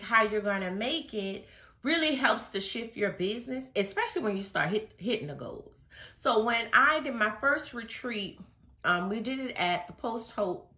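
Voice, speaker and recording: A woman business coach giving a casual motivational talk, her voice a little hoarse and raspy. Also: medium pitch, pushed and bright, reverberant. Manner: casual, chatty, reading from notes. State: slightly hoarse.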